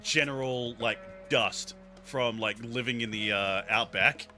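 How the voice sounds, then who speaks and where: Bright-voiced joking male streamer. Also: medium pitch, unhurried, soft background music. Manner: joking, reads on-screen text aloud, laughs often. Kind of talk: casual let's-play commentary.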